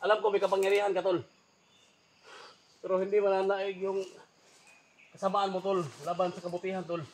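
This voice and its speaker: A man with a fairly high voice speaks outdoors on a mountain. He calls out loudly and pleads in an urgent, soothing way, repeating himself to calm someone down. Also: brisk, a little hiss or hum. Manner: loud calling, then soothing and urgent pleading. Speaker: paranormal hunter vlogger. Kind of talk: calling out and pleading in an outdoor search.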